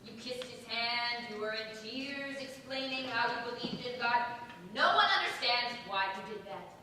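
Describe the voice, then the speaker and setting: A woman's voice: on the high side, moderate pace, far from the mic, lightly acted. A woman in a staged reading playing a hard-line secularist, pointed, insistent and accusatory in a dramatic delivery. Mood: accusing. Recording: echoing hall from afar, faint noise.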